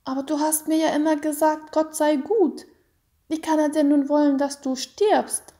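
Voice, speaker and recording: A woman voicing a small, frightened boy in a storybook reading, pleading in a high, crying voice. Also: fairly even intonation, moderate pace, mellow, close to an everyday voice.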